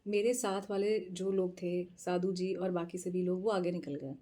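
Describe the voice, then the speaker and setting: A woman vlogger casually recounting a travel adventure, animated and laughing often, slipping English phrases into her talk. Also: lowish voice, normal speed, noisy background. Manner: mixes English phrases into speech. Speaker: tarot channel host.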